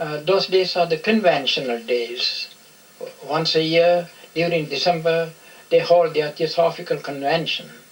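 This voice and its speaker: Over noticeable background noise, the speaker talks at a fairly slow pace with ordinary pitch variation. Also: man, high pitch for a man. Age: 80s+. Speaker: Buddhist monk. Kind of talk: interview. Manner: halting.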